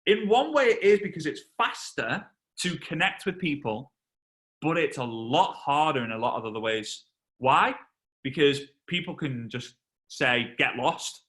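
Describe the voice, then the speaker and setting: English man, 30s, bright tone, slightly high voice, animated storytelling, video call. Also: measured pace. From England. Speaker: network marketing trainer.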